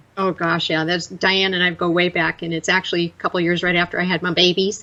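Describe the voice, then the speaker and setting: Against noticeable background noise, a woman with a fairly low pitch talks at a very fast pace in a monotone, flat intonation. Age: 60s. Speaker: adaptive athlete and fitness presenter. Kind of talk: casual chat. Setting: video call. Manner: hesitant, many fillers.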